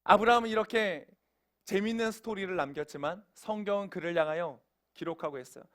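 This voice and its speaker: A man's voice: high voice, brisk, a bit bright. A man preaching a sermon as pastor. He asks the congregation questions and acts out quoted voices in everyday speech.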